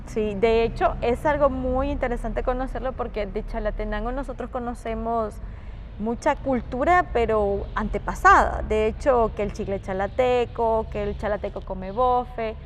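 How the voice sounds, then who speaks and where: A woman's voice: a little high, moderate pace, slight background noise. A woman hosting an interview, chatty and affirming toward her guest. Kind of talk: interview conversation.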